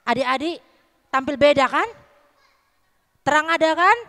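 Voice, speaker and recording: A woman with a North Sumatran Indonesian accent teaching a children's Christmas Sunday school lesson, lively and quizzing the kids with questions. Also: high voice, measured pace. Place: church hall. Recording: echoey hall.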